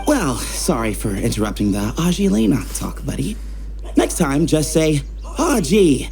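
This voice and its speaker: A breezy young guy in a video game, easygoing and playful. His pitch moves around a lot, his tone is relaxed, and music plays behind him. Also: a little slow, vocal fry, heavily acted. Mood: teasing. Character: easygoing, teasing young man, jovial friend.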